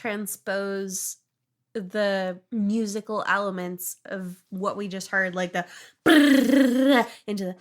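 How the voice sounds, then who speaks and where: Expressive woman podcaster chatting casually. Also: mid-range voice, takes it slowly. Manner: mimics sounds and acts out imagined thoughts. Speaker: podcast co-host. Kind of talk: casual chat.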